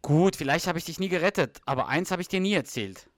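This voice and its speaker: A man's voice: on the high side, animated, quick pace, dry recording, studio quality, pitched above the performer's own voice, close to an everyday voice. A man voicing a boastful middle-aged husband at the dinner table, reading sitcom dialogue in a brash, defensive way. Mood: pleading. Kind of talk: read-aloud sitcom dialogue.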